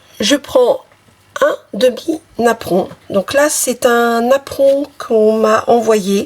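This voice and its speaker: Over noticeable background noise, a woman talks at a high pitch with ordinary pitch variation. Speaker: crafting tutorial host. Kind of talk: tutorial.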